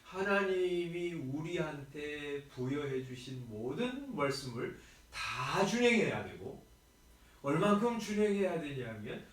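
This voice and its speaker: A man's voice: on the high side, big pitch swings, slow. A male pastor giving an early morning sermon in a conversational way, with fillers and rhetorical questions. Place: church sanctuary. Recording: very echoey church hall, mic at a distance.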